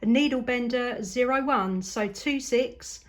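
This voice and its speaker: Upbeat, higher-pitched southern English woman. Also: measured pace. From southeast England. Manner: upbeat, enthusiastic, chatty. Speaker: amateur CB radio operator. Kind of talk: casual long-distance CB radio exchange.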